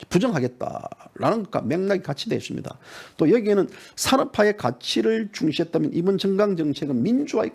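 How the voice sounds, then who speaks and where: A middle-aged man giving heated, mocking partisan political commentary, dropping to low mutters and jumping to sudden high shouts. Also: creaky, husky.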